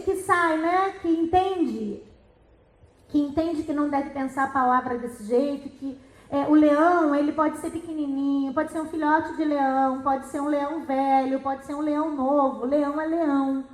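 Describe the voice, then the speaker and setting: A middle-aged woman with a high voice explains reading lessons to teachers. She talks in a lively way and keeps asking rhetorical questions. The room around her is roomy and echoey. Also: unhurried. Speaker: educational psychologist and teacher.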